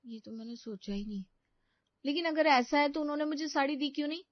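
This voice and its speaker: In this animated family tale, a woman plays a young daughter-in-law who sounds wronged and distrustful. She talks quickly in a high, whiny register, with a natural voice and a dry, somewhat muffled sound and no room ambience.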